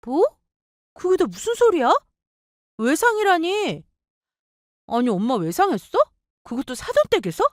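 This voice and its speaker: A young sister-in-law fires off disbelieving questions, as a woman reading a story puts her on. Her voice sits high and moves a lot. The sound is dry and close. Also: sing-song, moderate pace, no room sound. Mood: shocked. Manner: incredulous, questioning.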